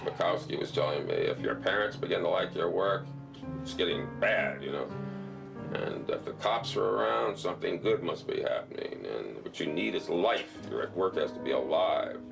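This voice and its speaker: A man with a gravelly, drawling manner recalling old advice. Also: sits low, sing-song, normal speed, recorded from a distance, over music. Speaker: interviewee. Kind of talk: reminiscing.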